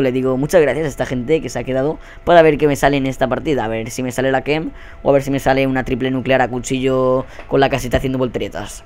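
Guy with a spain spanish accent commentating his game, swears a lot, gets loud and hyped, mid pitch. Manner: excitable and profane, bursting into shouts. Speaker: gaming YouTuber. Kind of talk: live gameplay commentary.

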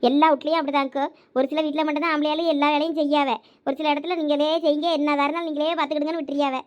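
A woman's voice: high voice, flat delivery, rapid-fire, dull audio. A woman with a Thoothukudi Tamil accent in a village comedy skit, bossy and scolding.

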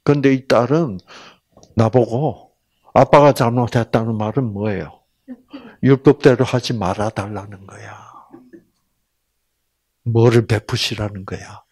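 A man's voice: medium pitch, a little slow, pauses often. A man giving a Bible lecture in storytelling style, asking the audience questions and acting out the people in his story. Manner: animated, acts out voices in dialogue.

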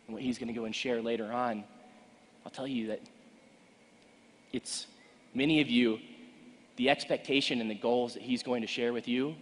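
A man in his twenties giving an earnest, emphatic motivational keynote speech to an audience, with deliberate pauses. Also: medium pitch. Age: 20s. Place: large conference stage indoors, seated. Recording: echoey hall with long reverb.

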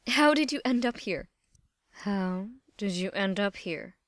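A woman's voice: medium pitch, lively intonation, a little slow, fairly bright tone, no echo, studio quality. A woman acting a tough, determined young female adventurer in amateur cartoon audition lines. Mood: concerned.

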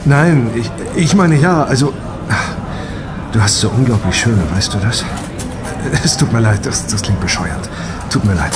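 An actor playing an earnest, guilt-ridden male space pilot in a German sci-fi audio drama, speaking haltingly and with emotion. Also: mid-range voice, lively intonation, over loud music, lightly acted. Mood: awkward, flustered.

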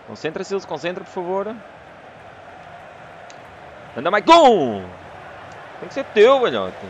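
A man with a European Portuguese accent giving excitable, shouting commentary while playing a football game. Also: high-pitched, slow pace, dull audio, slight background noise. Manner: excitable, shouts at the game, calls players by name. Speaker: gamer. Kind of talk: gameplay commentary.

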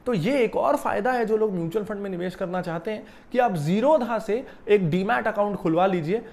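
A young man giving a lively explanatory video lesson about investing, seated in a small office and using a lapel mic. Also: high-pitched. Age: young adult. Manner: animated, gestures while explaining. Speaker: finance educator.

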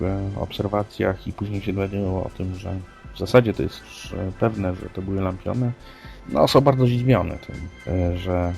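A man co-hosting an unscripted podcast discussion, speaking haltingly as he searches for words. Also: deep voice, vocal fry, a little mellow. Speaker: podcast co-host. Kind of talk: unscripted paranormal news discussion. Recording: music playing under the voice. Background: music.

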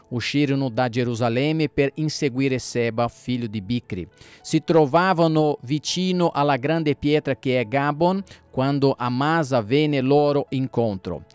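A male pastor reading the Bible aloud at a steady pace, sometimes stumbling over names and correcting himself. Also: medium pitch, clear, resonant tone, dry recording.

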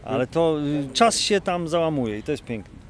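A man's voice: on the high side, expressive, moderate pace. A middle-aged man, a stage performer, chatting enthusiastically in a park interview with stumbling restarts. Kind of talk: casual interview. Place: outdoor park. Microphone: handheld mic. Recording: outdoor ambience.

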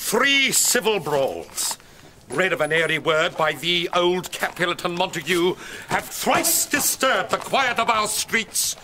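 A stern, high-pitched commanding prince. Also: male voice, animated, a little slow, noisy background. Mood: stern judgment. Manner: commanding, formal proclamation. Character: stern, angry prince rebuking his brawling subjects. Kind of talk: declamatory Shakespearean radio acting.

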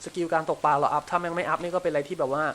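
A man with a Thai accent giving casual, crude gameplay commentary, chatting to himself and shouting at the game when it frustrates him. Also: on the high side, flat delivery, very fast, slight background noise. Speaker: gameplay streamer.

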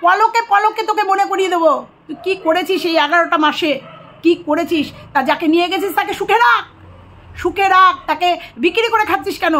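A woman's voice: very high voice, a little fast, fairly bright tone, slight background noise. A woman delivering an angry, accusing monologue straight to the camera, repeating phrases for emphasis.

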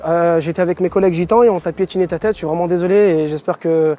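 A man playing a pushy, apologetic gypsy in a hidden camera prank on a city street, insistent and loud. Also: high voice, steady tone, fast, faint music behind, pitched below the performer's own voice, lightly acted. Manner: insistent, loud, calls people frérot. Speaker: prank video host.

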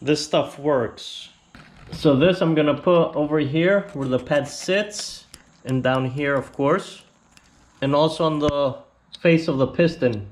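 A man hosting a casual how-to video, explaining a repair step by step in a relaxed, plainspoken way. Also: on the high side, takes it slowly. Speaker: motorcycle channel host.

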